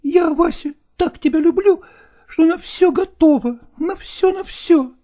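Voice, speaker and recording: A man's voice: extremely high pitch, moderate pace, warm tone, pitched above the performer's own voice. A man reading aloud, voicing a young actress who pleads tearfully and passionately with her lover. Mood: pleading.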